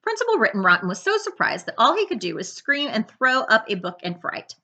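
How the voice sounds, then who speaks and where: Female storybook reader, middle-aged, bright tone, very lively intonation, dramatic delivery for children. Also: a little high, fairly quick. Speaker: librarian reading aloud. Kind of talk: children's picture-book read-aloud with asides. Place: living room couch, indoors.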